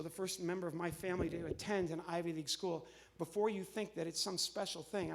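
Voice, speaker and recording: A middle-aged American man from the Midwest doing live comedy patter on stage, chatty and halting, often interrupting himself. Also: on the high side, creaky. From Midwestern United States. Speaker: comedian and entertainer. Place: on stage in a large church hall.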